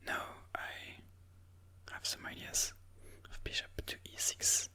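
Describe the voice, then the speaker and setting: Slowly and deliberately, an ASMR host explains chess moves in a whisper that is breathy and unvoiced, with a sharp edge to its tone.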